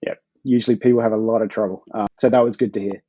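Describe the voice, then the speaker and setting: A forty-year-old Australian man chatting casually and in a low-key way as an author guest on a podcast. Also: steady tone, racing, mellow, dry recording, muffled recording. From Perth, Australia.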